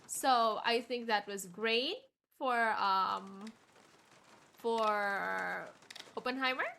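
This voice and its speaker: A woman livestream host chatting casually in a rambling, hesitant way with halting sentences. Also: medium pitch, pushed and bright, slight background noise. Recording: music playing behind the voice. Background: clear background music.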